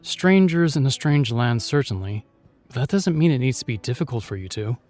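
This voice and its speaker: Man playing an expressive, gallant knight. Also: medium pitch, a little fast, faint music behind, lightly acted. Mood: reassuring. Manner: earnest, courtly, commanding. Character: gallant, protective male knight commander in fantasy. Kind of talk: fantasy audio drama acting.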